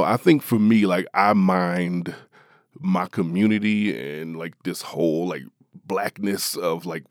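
A man from Appalachia, an author being interviewed, who talks in an animated, chatty way and laughs often. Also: low voice, dry recording, studio quality. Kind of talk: interview guest.

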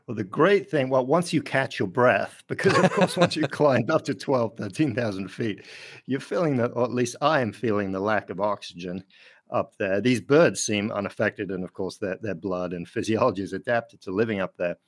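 A man who grew up in France talks as a guest biologist in a radio interview. His voice sits low, and he explains things patiently, with the odd chuckle along the way. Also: normal speed. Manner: thoughtful, explanatory, chuckles while talking.

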